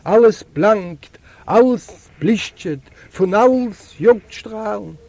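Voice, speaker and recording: An older man, a native Yiddish speaker, reads a literary story aloud at an unhurried pace. His voice sits high yet sounds mellow, and he tells the story dramatically, often dropping suddenly into softer passages. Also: vocal fry, highs cut off. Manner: slow, dramatic storytelling with sudden soft drops. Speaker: reader of a literary recording. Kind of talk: literary reading.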